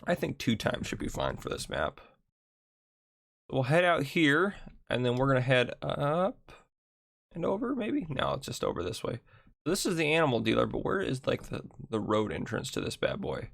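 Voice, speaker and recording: A man hosting a casual video game map tour, chatty and thinking aloud, his voice gravelly from just waking up. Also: mid-range voice, wildly swooping pitch, fairly bright tone, dry recording, studio quality. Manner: chatty, thinks aloud with ums and quick asides. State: gravelly morning voice. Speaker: gaming channel host.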